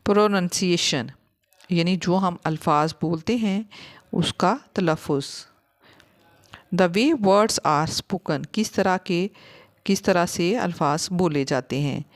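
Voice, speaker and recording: A woman teaching English vocabulary, repeating each word slowly for learners. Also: lowish voice. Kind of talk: vocabulary lesson.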